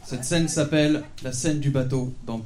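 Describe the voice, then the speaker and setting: A man's voice: medium pitch, steady tone, normal speed, background noise. A man doing a mock-solemn, theatrical stand-up setup on stage. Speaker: comedy performer. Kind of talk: live stand-up bit.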